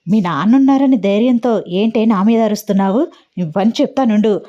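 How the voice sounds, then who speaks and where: A woman's voice: mid-range voice, dark tone, muffled recording, close to an everyday voice. A woman voicing a fed-up scolding young mother. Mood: exasperated. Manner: quick, scolding, exasperated. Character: sharp-tongued young mother scolding her kids and husband.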